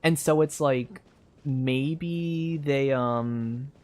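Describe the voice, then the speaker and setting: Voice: mid-range voice, extremely slow, darkish tone. A game streamer thinking aloud in casual commentary, speaking in a hesitant, rambling way full of fillers. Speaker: streamer playing a video game. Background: video game music.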